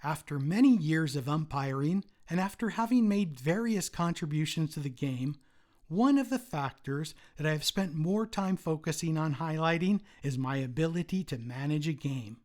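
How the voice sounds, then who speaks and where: A man, a retired umpire, giving a formal prepared presentation at a convention in a measured, read-aloud way. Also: on the high side, animated, a little mellow.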